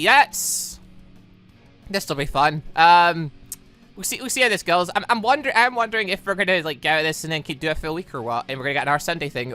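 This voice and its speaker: Animated man, bright and chatty. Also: on the high side. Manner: chatty, rambling, exclamatory. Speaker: gaming video host. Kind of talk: casual let's play commentary.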